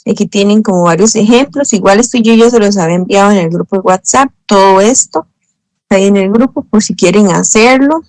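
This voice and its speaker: A woman's voice: medium pitch, a little mellow, dry recording, low-quality recording. Woman teacher, patient and explanatory, dry close mic on a video call. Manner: patient, explanatory, spells out letters slowly. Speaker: English teacher. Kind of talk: online exam review lesson.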